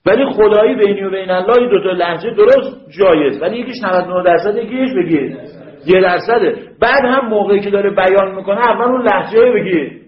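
Male teacher, high voice, lively lecturing with rhetorical checks, recorded in an echoey room. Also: lo-fi sound. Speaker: Arabic grammar teacher. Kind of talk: classroom lecture.

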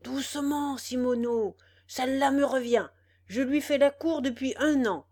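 A woman's voice: high voice, measured pace, a little mellow. Strapping young country lad, proud and possessive, read by a woman. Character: big, sturdy young cattle dealer's son, boastful.

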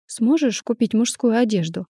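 Warm expressive woman reading a story. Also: a little high, moderate pace, husky, dry recording, clean studio sound. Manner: expressive reading, shifting voices for each character. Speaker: audiobook narrator. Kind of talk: scripted narration with acted dialogue.

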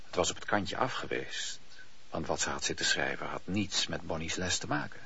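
A man with a husky voice narrating a Dutch radio play as a scripted storyteller. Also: lowish voice, bright, forceful tone. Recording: dull, muffled old radio-play recording.

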